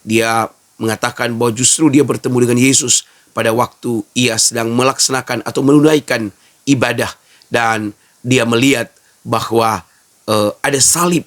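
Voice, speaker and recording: A man's voice: medium pitch, steady tone, normal speed, a bit bright. A man hosting a Christian program opens with a formal, devout greeting to his viewers. He speaks in a preacherly way, with a mid-range voice. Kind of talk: preacherly introduction.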